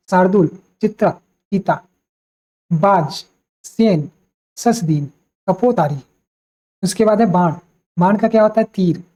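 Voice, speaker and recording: A woman teaches an exam-prep vocabulary lesson, naming words one after another at a slow, deliberate pace. Her voice is mellow and soft-edged. The recording sounds dull and lo-fi. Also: mid-range voice.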